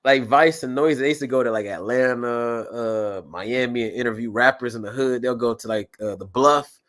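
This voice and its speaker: A man from the United States chatting casually as a co-host, telling stories in an animated, profane way. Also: mid-range voice, moderate pace. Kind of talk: casual chat.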